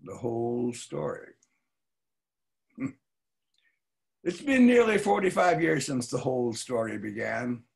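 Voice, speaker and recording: An older man playing a wary, reflective novelist in a staged reading, speaking deliberately with some hesitation. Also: mid-range voice, lively intonation, vocal fry, a little mellow. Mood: wistful, dramatic. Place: home study, video call.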